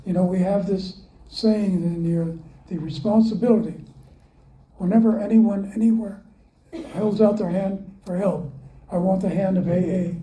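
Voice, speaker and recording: A man's voice: high voice, fairly even intonation, moderate pace, mellow, roomy sound, slight background noise, low-quality recording. An older man at a recovery meeting, telling his story in a folksy, self-mocking way. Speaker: AA speaker. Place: club meeting room.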